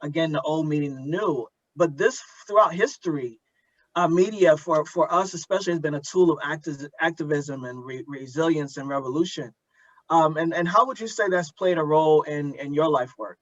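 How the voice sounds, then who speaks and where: Male interviewer, fairly high-pitched, earnest and halting, recorded dry and a bit muffled. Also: dry recording. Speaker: podcast host, interviewer. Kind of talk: thoughtful conversational interview.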